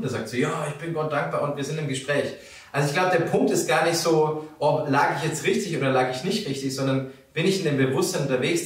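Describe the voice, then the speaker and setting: A man giving a conversational sermon, telling stories and speaking directly to his listeners. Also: mid-range voice. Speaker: preacher. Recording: very echoey, from a distance.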